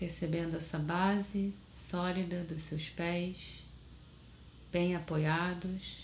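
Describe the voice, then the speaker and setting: A calm, somewhat breathy voice speaks with monotone, flat intonation. The very slow pace is marked by long, frequent pauses. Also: woman, fairly low pitch for a woman. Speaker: meditation guide. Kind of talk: guided meditation. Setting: video call, live Zoom broadcast. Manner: slow, calm, soft-spoken, with long pauses.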